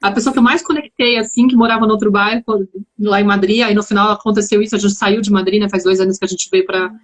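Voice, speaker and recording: This guest, a Brazilian woman speaking São Paulo Portuguese, has a mid-range voice with a steady tone and a fast pace. On a casual live stream she chats reflectively, with many restarts.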